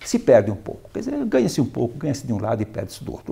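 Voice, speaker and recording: A man's medium-pitched voice with a dark, mellow tone and vocal fry. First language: Italian (speaking Portuguese). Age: 70s. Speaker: retired mining engineer and literature scholar. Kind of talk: TV interview. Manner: halting, with fillers and restarts.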